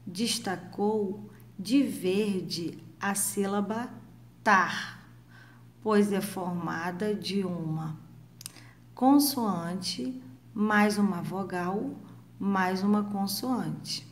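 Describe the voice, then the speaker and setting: Brazilian lady teacher, super slow, spells syllables out for little kids, bit of hiss behind. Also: medium pitch. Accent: Brazilian Portuguese. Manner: affectionate with pupils. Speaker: primary school teacher. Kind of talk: recorded remote lesson for children.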